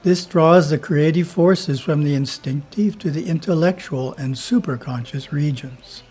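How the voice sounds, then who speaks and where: A man who is a spiritual teacher reads his editorial in a slow, measured way and chants Om between the passages. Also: fairly high pitch, a little mellow, slightly rough.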